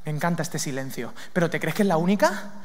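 A man from preaching a lively sermon, questioning his listeners and acting out lines from scripture. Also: on the high side, fast. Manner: lively, asks the audience questions, acts out demons' lines. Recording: long hall reverb.

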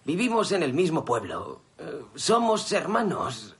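A man's voice: on the high side, very animated, a little slow, gravelly, a bit bright, full character voice. An actor playing an impulsive young village man who grumbles and apologizes sheepishly.

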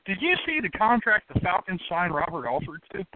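A man hosting a sports radio panel, firing off quick questions and sarcastic asides. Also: high voice, big pitch swings. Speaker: show host. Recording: dry, phone-like narrow band.

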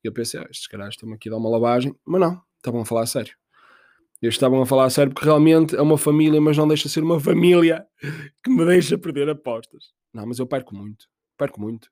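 A man's voice: a little high, fast, a little mellow, dry recording, clean studio sound. A man with a European Portuguese accent hosting a podcast, rambling through a jokey, profane, self-mocking monologue. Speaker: podcast host. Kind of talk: casual comedic monologue.

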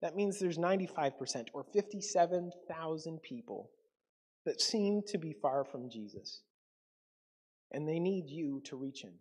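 Husky-voiced man preaching a casual sermon. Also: a little high, expressive, moderate pace, darkish tone. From Canada. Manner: conversational, with frequent ums and self-corrections. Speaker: pastor.

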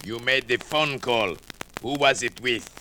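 An actor playing a brawny, commanding Arab thug, threatening in formal, clipped phrases in old radio drama style. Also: male voice, medium pitch, unhurried, close to an everyday voice. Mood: menacing. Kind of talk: 1940s radio acting. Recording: old radio recording, faint noise, clicks.

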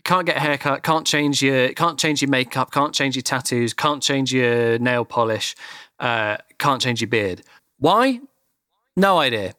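A man's voice: medium pitch, unhurried, bright, forceful tone, dry recording, studio quality. A man ranting animatedly in casual chat as a podcast co-host, swearing freely.

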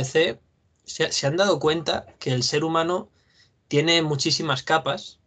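A man's voice: a little high, a bit bright. A man giving a casual spoken commentary on cinema, reasoning aloud in a reflective way with fillers. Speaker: film discussion co-host.

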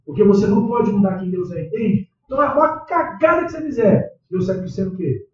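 A man's voice: high-pitched, expressive, fast. A man with a Brazilian Portuguese accent preaching a sermon in a church, talking conversationally and firing questions at the congregation with slangy asides. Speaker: pastor. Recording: echoey church hall, distant dull mic.

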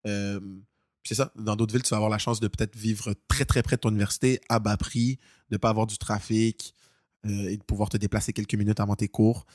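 Fast-talking Québécois young man. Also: fairly low pitch, no echo, studio quality. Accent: Québécois French. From Quebec. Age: 20s. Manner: animated storyteller, fast with many restarts. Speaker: podcast co-host. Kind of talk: casual podcast chat.

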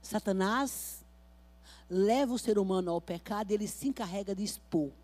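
A woman missionary, preaching a fervent sermon at a church service and moving between quiet storytelling and loud exhortation. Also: medium pitch, normal speed.

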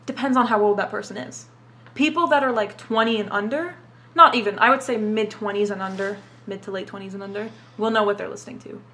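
Talking fast in a bright, pushed, mid-range voice, this young adult woman answers casual interview questions. She grew up in Dubai with Arabic as her first language, and she swears a lot and leans on "like" constantly.

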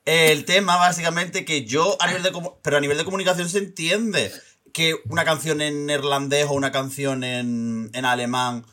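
A man's voice: fairly high pitch, steady tone, normal speed, sharp tone. A man with an Andalusian accent, co-hosting a podcast in chatty, joking conversation. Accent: Andalusian Spanish. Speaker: podcast co-host. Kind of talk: casual chat.

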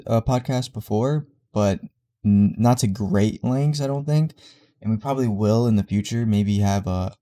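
A man's voice: lowish voice, dark tone. A young man with a congested voice hosting a casual solo podcast, rambling with fillers and restarts. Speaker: podcast host.

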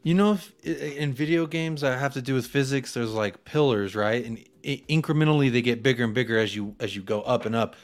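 A married man co-hosting a casual fan podcast, excitable and slangy, often acting out quotes. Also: mid-range voice, fairly quick, hardly any pauses, dry recording. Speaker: podcast co-host.

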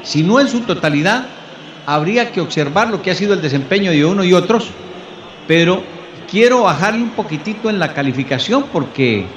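A man's voice: high-pitched, fairly bright tone, slight background noise. A man presenting and analysing sport as a radio host, in formal, wordy phrases. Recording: roomy sound with faint music.

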